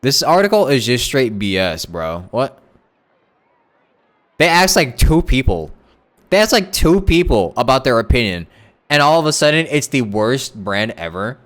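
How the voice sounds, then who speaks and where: A man's voice: medium pitch, big pitch swings, normal speed, fairly bright tone. A man livestreaming a game, reading text aloud with stumbles and reacting in casual, slangy commentary.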